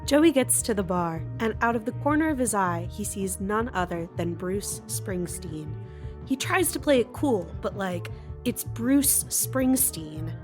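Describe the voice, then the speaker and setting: A woman's voice: mid-range voice, expressive, a little slow, over music. A woman narrating a comic audio drama in a playful, mock-dramatic way. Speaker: podcast host and narrator. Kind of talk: scripted storybook narration.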